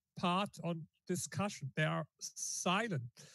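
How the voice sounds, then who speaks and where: This man has a German accent and a high pitch with ordinary variation. His voice sounds dry and close, with no echo. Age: 60s. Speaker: author and historian. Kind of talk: interview. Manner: hesitant, repeats words.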